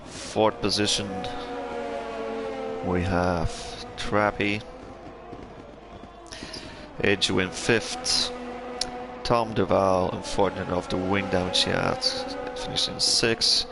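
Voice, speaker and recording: A young Belgian-accented man commentates an online sim race, hesitant and full of fillers and restarts. His low voice is flat and slow, with vocal fry and frequent pauses, over game engine noise and loud music.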